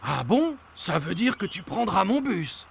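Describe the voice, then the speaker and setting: An actor playing a friendly, kindly male school bus driver in a children's cartoon, with a jovial manner and a husky voice. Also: medium pitch, big pitch swings, measured pace, a little hiss or hum.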